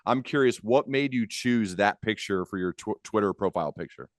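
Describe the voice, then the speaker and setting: A man's voice: on the low side, moderate pace, no room sound, clean studio sound. A man hosting a conversational interview, speaking earnestly and repeating phrases for emphasis. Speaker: podcast host, interviewer.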